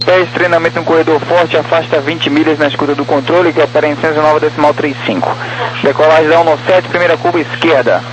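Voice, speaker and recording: A man's voice: fairly high pitch, steady tone. A man working as an air traffic controller, giving clipped, procedural instructions over a crackly, military-sounding radio. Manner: rapid, procedural delivery. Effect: crackly military-style radio transmission. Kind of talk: clipped aviation radio phraseology. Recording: crackly aviation radio with hum.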